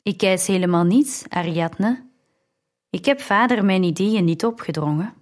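A patient, earnest young man speaks gently but firmly, as a woman narrator reads him. The delivery is unhurried and drawn out, in the plain voice of an audiobook reader. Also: medium pitch, expressive, lightly acted. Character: calm earnest young man, devout brother.

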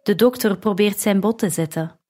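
A woman voicing a gentle, caring young man at a sickbed, in a calm and soothing way, in an audiobook. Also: mid-range voice, normal speed, close to an everyday voice.

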